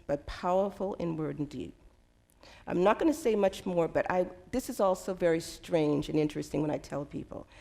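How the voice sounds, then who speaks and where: A middle-aged woman giving prepared personal remarks as a panelist, speaking in a measured, deliberate way. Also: low voice, creaky, mellow. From United States. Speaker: panelist, center director.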